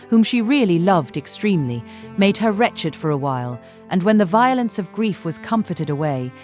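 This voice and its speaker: A woman reads literary narration in a low voice with lively intonation. Her delivery is measured and articulate, as an audiobook narrator, with faint music underneath.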